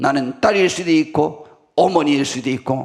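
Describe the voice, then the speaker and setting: At a fairly slow pace, a man uses a normal speaking voice with a fairly high pitch and ordinary pitch variation. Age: 60s. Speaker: pastor. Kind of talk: sermon. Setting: church.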